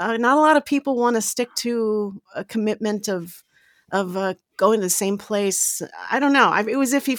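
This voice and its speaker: On a very clean recording with a silent background, a woman with a plain, everyday voice speaks at a fairly high pitch with ordinary pitch variation. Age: 50s. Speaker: voice actor and coach. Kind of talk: interview.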